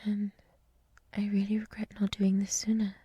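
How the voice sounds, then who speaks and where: A woman playing a gentle, wise monster lady in an ASMR roleplay, whispering softly in a soothing, reflective, encouraging way, close to the mic. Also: mid-range voice, monotone, moderate pace, highs cut off. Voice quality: soft, breathy whisper. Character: gentle, wise monster woman with many eyes, hotel resident. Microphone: close mic, dry.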